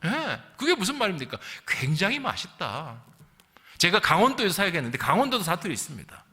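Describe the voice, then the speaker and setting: Male pastor, middle-aged, sermon delivery, fairly high voice, very lively intonation, conversational storytelling, rhetorical questions, echoing church hall. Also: a little fast. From Gyeongsang region, South Korea. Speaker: pastor preaching. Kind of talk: sermon with anecdotes and acted-out quotes. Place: large reverberant church hall. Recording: long hall reverb.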